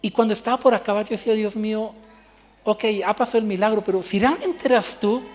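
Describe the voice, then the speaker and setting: Pastor preaching in a hall. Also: male voice, high voice, quick pace. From Bolivia. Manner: animated storytelling, acting out dialogue. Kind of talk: sermon.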